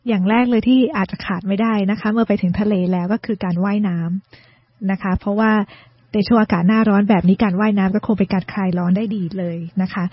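A woman with a slightly husky voice co-hosts a radio English lesson. She explains each word slowly and patiently, pausing on pronunciation. The sound is dry and a little dull, like an older studio broadcast. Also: mid-range voice, steady tone, no echo. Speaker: co-host teaching English vocabulary.

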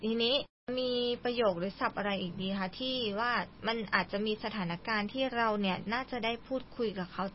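A woman's voice: fairly high pitch, a little fast, hardly any pauses, a little hiss or hum. A young woman hosting a language lesson, chatty and asking her guest lots of prompting questions, on a dull lo-fi recording. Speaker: host. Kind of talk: radio-style lesson chat.

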